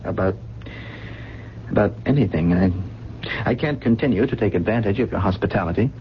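An actor playing a gentle, educated man who has lost his memory, speaking haltingly and formally in a 1970s radio drama. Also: on the low side, lightly acted. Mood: bewildered, hesitant. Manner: halting, hesitant, formal wording. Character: lost, world-weary, educated amnesiac drifter, gentle. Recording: dull, noisy 1970s radio broadcast.

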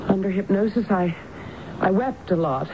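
An actress plays a married woman in a vintage radio drama, anxious and tender toward her husband. Her voice sits at a middle pitch and her delivery is hesitant. The recording is muffled, with heavy background noise. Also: natural voice. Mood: troubled, confiding. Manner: hesitant, halting. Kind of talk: old-time radio drama acting.

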